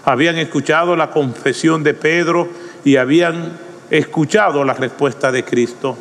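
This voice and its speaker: Impassioned high-voiced male preacher. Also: moderate pace. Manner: impassioned preaching that swells into shouted pleas. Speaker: pastor. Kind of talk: sermon. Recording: long reverb of a large hall.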